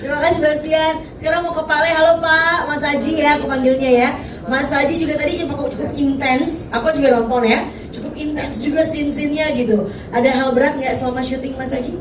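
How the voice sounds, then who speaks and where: A woman hosting a press conference, chatty and lively with quick follow-up questions. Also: high-pitched, a crowd in the background. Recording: distant echoey room, noisy.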